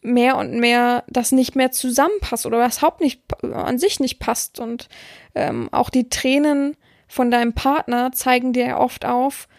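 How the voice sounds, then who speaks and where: A woman's voice: on the high side, steady tone, a little slow, no room sound, clean studio sound. A woman hosting a podcast, talking frankly in a chatty monologue full of fillers and restarts. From German-speaking region. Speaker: podcast host, dominatrix.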